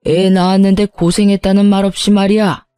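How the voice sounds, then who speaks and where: A woman voicing a stern, gruff elderly father-in-law who speaks slowly. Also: mid-range voice, little pitch movement, dark tone, no room sound, soft background music, lightly acted. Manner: slow, gruff.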